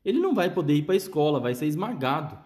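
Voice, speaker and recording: A man's voice: fairly high pitch, big pitch swings, quick pace. A man voicing an exasperated, blustering father in a read-aloud story. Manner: blustering, shouting. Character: gruff exasperated father, middle-aged man.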